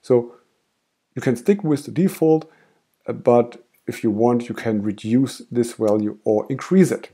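A man with a German accent, a native German speaker, calmly explaining software steps in a screen-recorded tutorial. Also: mid-range voice, measured pace, slightly rough. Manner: calm step-by-step explaining. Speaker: tutorial host.

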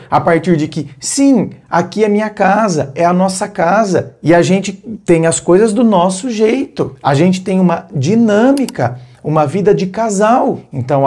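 A man's voice: a little high, darkish tone. A man with a Brazilian accent giving relationship advice in a casual vlog, talking directly to his viewers in a conversational way.

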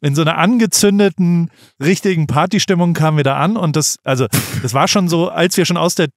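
A man's voice: fairly high pitch, brisk. A man hosting a podcast, talking easily in loose, slangy sentences. He drifts along with fillers and asides. His voice sits close and dry, with no room echo. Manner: relaxed, colloquial, slangy, many fillers. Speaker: podcast host. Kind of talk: casual chat.

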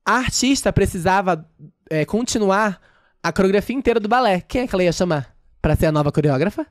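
A woman's voice: mid-range voice, dry recording, studio quality. A trans woman, a dancer and podcast guest, telling a story in a casual interview and acting out what others said. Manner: fast, animated retelling that acts out others' quoted speech. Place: podcast studio.

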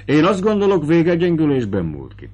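A man's voice: a little high, wildly swooping pitch, a little mellow, breathy edge, voice pushed up, full character voice. A man voicing a fat, humble old estate steward who speaks in broken, ungrammatical phrases. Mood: humble, fretful.

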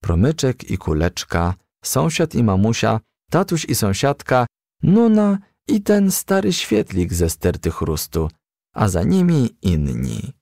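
A man narrates a children's storybook in a low, slightly creaky voice. He takes his time, yet his pitch moves widely and expressively from phrase to phrase. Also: huge pitch swings, takes it slowly, darkish tone, no room sound, clean studio sound. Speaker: audiobook reader.

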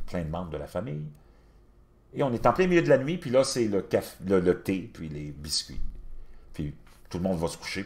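A man in his fifties with a Québécois accent, telling a personal story in a casual, animated way and talking straight to the listener. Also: sits low. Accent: Québécois French. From Quebec. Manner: animated, addresses the listener directly.

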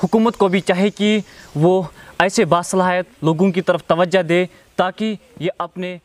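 High-pitched young man presenting. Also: steady tone, measured pace, dry recording. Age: 20s. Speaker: interviewer and presenter. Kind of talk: formal presenting and interviewing in literary Urdu. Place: outdoors on a lawn beside a wooden house.

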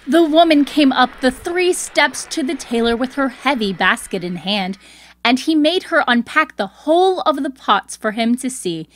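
A woman host reading scripted storybook narration in a clear storytelling delivery. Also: high-pitched, lively intonation, normal speed, fairly bright tone, no echo.

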